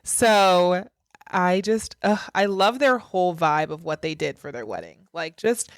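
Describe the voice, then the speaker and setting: A woman's voice: on the low side, animated, a little slow. A woman hosting a podcast, chatting effusively about wedding looks. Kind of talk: casual podcast chat.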